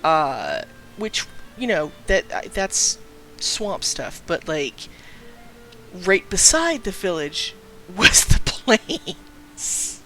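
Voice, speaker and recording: A man's voice: high-pitched, big pitch swings, drawn-out words, pushed and bright, soft background music. A young trans man with a light, youthful-sounding voice chatting casually on a game stream, rambling through stories, laughing often and breaking off to greet viewers. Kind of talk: casual live-stream chat.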